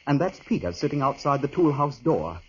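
A man's voice: medium pitch, sing-song, brisk, slight background noise, close to an everyday voice. An actor playing an earnest, uneasy man who guides detectives through a superstitious countryside, in a 1940s radio drama. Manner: earnest, explaining local superstition. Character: earnest male city client, middle-aged, uneasy. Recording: muffled old radio broadcast.

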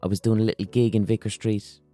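A hoarse man with an Irish accent hosting a solo podcast, talking passionately, swearing and throwing out rhetorical questions. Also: lowish voice, little pitch movement, fast, warm tone, no echo, soft background music. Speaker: podcast host.

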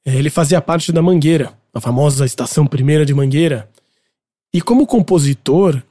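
Brazilian male podcast host, mellow timbre, talks music in a loose, opinionated way. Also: a little high. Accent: Brazilian Portuguese. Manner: chatty, opinionated, explanatory. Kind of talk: casual music commentary.

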